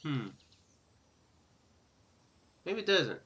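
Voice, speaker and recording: A man with a slightly high, sing-song voice hosts a Let's Play gaming series, talking very slowly in a sharp tone with a breathy edge. He reads story text aloud and chats casually, rambling, hesitating and self-correcting.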